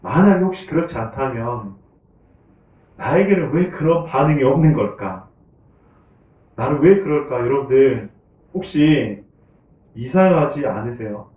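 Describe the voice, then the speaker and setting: A man preaches in a church, his voice bouncing around a reverberant room and picked up from a distance. His pitch swings widely as he asks the congregation one question after another. He chuckles often. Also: expressive, a little slow, pauses often, darkish tone. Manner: conversational, keeps asking the congregation questions. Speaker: pastor. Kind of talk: sermon. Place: church sanctuary. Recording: echoey room, from a distant mic, dull sound.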